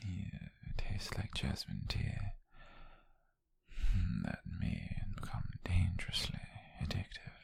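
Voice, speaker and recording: Man playing a deep, whispery British witch lover. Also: no echo, heavily acted. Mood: teasing, affectionate. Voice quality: breathy, whispery, gravelly. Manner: soft, intimate, slow and hesitant. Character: tender, flirtatious male witch on a date. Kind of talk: romantic ASMR roleplay.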